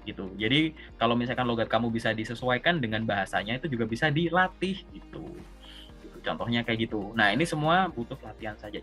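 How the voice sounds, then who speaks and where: A young man from Java talks a job seeker through interview practice on a video call. His voice is bright and forward. He keeps it loose and chatty, checking in with quick questions. Faint music plays in the background. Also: mid-range voice. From Java, Indonesia. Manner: conversational, repeats "gitu" and checks understanding with questions. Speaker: career coach. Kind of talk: coaching session on a video call.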